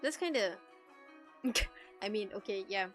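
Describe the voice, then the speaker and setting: A woman streamer reading a visual novel aloud and reacting in an animated, teasing way, swearing freely. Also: mid-range voice, slow pace. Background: music.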